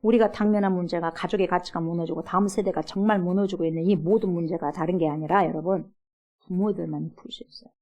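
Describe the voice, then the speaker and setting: A middle-aged woman pastor preaching a sermon in a church, acting out pleas and swinging between loud and hushed. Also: on the low side, steady tone, fast talker, highs cut off. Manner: dramatic, acts out quoted pleas with big swings from loud to hushed. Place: church sanctuary.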